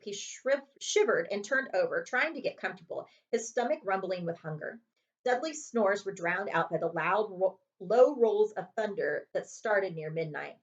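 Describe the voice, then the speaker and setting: A woman reading a children's chapter book aloud as an expressive storyteller, like a librarian at story time. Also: medium pitch, lo-fi sound. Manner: expressive storytelling with character voices.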